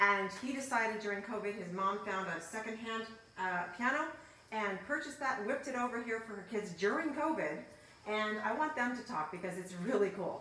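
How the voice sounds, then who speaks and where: Audible room echo hangs around the voice. A woman speaks fairly quickly. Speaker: community interviewer. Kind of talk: interview introduction. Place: home room.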